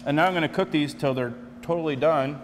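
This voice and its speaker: A man's voice: on the high side, fast, long reverb tail, slight background noise. A man in his forties, a chef walking through a cooking demonstration step by step in a studio kitchen. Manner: explanatory, steady step-by-step instructions.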